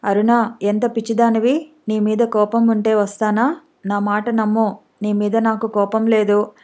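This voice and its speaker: A woman voicing a gentle, devoted husband who soothes and reassures his sick wife, in an audiobook. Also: mid-range voice, level tone, a little slow, lightly acted. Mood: soothing.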